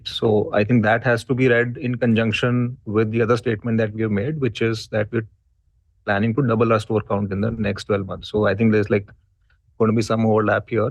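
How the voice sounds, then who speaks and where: A man with an Indian accent answering as a company executive on an earnings call, explaining in a measured way. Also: fairly low pitch, dry recording.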